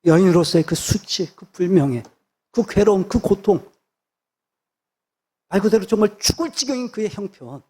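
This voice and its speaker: Man, pastor, sermon, husky voice, slightly high pitch, emphatic repetition. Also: lively intonation, moderate pace, pauses often, mellow. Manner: emphatic, repeats phrases for stress.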